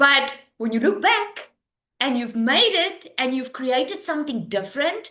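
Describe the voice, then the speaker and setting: A woman speaks in a raised, projected voice with a bright, sharp tone and an animated delivery. Her pitch is high and swings very widely. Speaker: online business coach. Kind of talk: live webinar training. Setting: video call.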